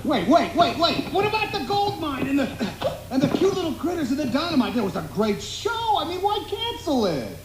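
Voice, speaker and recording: An excitable toy cowboy sheriff from a cartoon, acted by a man. He is eager and high-pitched, swooping all over, in an echoey recording with music behind. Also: brisk, noisy background. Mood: agitated. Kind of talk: animated cartoon acting.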